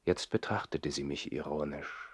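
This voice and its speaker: An actor playing a passionate nobleman who lives in the trees and recalls his love in a measured, literary way, in a 1960s German radio play. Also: a bass voice, breathy edge, dry recording, clean studio sound. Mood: subdued, wistful.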